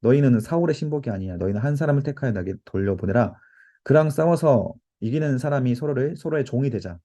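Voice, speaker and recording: A man's voice: medium pitch, lively intonation, fast, warm tone, highs cut off, close to an everyday voice. A man reading the lines of a boastful giant enemy warrior who taunts his foes. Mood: taunting. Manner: taunting, mocking.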